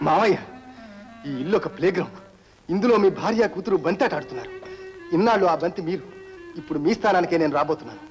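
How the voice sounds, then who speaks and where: An actor playing a proud, angry young husband who speaks defiantly and sermonizes, with a husky voice in old film melodrama style. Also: male voice, high voice, animated, fast, long pauses, faint music behind, rough recording.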